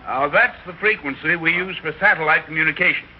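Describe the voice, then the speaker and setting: An assured professor, played by a man, lays out his findings in a slightly high voice. He sounds sure of himself as he explains. The old radio-play recording is dull, with a faint hiss behind it. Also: a little fast, lightly acted. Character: confident male professor explaining a discovery. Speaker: scientist. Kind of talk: vintage radio drama.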